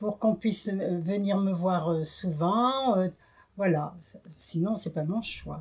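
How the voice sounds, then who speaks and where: A woman speaks at a medium pitch and a very slow pace, her voice somewhat breathy, with ordinary pitch variation. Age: 70s. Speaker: retired resident of a senior residence. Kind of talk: interview.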